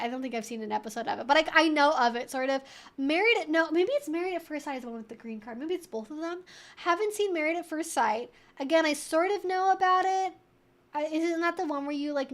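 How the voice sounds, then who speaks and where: A woman hosting a casual Q&A livestream, talking in a chatty, rambling way full of informal asides. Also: high-pitched. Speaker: livestream host answering viewer questions.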